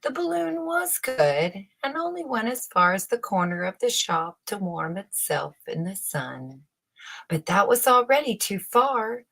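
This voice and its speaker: A woman reading a children's bedtime story aloud in a measured, dramatic storyteller's manner with emphatic phrasing. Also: fairly low pitch, a bit bright. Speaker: storybook reader.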